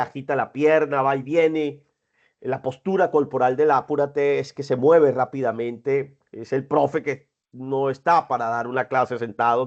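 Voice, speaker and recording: A man giving a didactic lecture to teachers, listing traits one by one and checking in with his audience. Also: fairly high pitch. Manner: explanatory, lists traits one by one, checks in with "right?". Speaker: lecturer at a faculty development talk. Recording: dull lo-fi recording.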